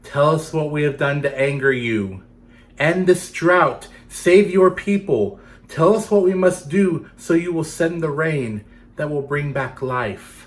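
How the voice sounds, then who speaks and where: A man voicing pleading tribal dancers in a storybook, with a drawn-out, imploring chant. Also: a little high, pitched above the performer's own voice, close to an everyday voice. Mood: pleading, solemn. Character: line of pleading tribal dancers, solemn and desperate.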